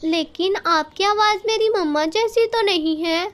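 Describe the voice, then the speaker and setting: A woman's voice: very high-pitched, measured pace, a bit bright. Woman voicing a pleading little blind crow chick. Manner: pleading, innocent.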